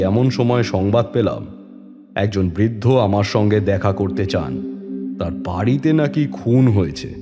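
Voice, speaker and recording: Police inspector, deep, dark-toned, calm authority, measured audio drama storytelling, reverberant, music underneath. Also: male voice. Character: calm, authoritative male police inspector telling his case. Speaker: story reader and lead actor. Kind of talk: dramatised detective story narration. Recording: long reverb, music bed behind.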